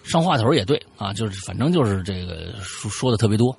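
A man's voice: lowish voice, sing-song, quick pace, gravelly, darkish tone, slightly rough. A man hosting a show, casually retelling a listener's ghost story with chatty asides and fillers. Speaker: host reading a listener's story.

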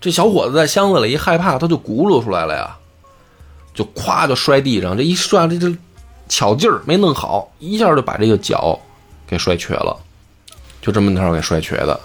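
A man telling a folk tale in a chatty, colloquial way, full of lively asides. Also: mid-range voice, fairly quick, husky, faint music behind. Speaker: storyteller. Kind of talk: casual storytelling.

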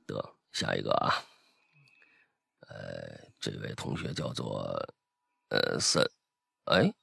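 A man's voice: a bass voice, very animated, takes it slowly, creaky, pushed and bright, slightly rough, no echo, studio quality. A man hosting a podcast, chatting casually and reading out listener stories, rambling with many restarts. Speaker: podcast host.

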